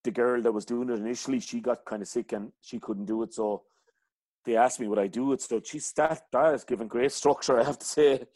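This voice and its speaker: A man's voice: mid-range voice, steady tone, brisk, a little mellow, dry recording. A middle-aged man with a County Clare accent from the west of Ireland, telling rambling, colloquial stories in casual conversation. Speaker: interview guest, hurling coach. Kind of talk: casual chat, anecdotes.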